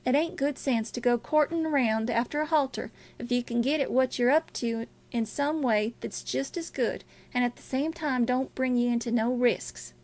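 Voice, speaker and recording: Casting: cool male criminal schemer female reader, high register, deliberate rustic dialect, audiobook villain. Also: a little mellow, lightly acted. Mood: scheming. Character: Packard, cool calculating male river criminal.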